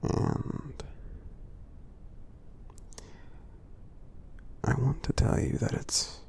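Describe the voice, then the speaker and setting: A man voicing a kindly, reassuring giant in a soothing ASMR roleplay, half-whispering with a husky, gravelly creak and halting delivery. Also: a little mellow, natural voice. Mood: gentle, reassuring. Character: gentle friendly male giant, kindly and reassuring. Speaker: ASMR performer.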